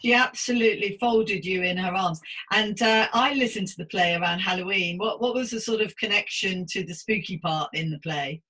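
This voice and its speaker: A woman in her fifties with a very bright, forward voice at a middle pitch. She hosts a casual interview in a chatty, effusive way, encouraging her guest as she goes. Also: moderate pace, hardly any pauses, breathy edge, rough recording. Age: 50s. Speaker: podcast host interviewing a guest.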